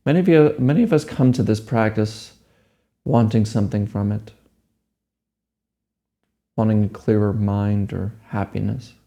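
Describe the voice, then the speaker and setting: A man leading a guided meditation, giving gentle, unhurried instructions. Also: fairly low pitch, vocal fry.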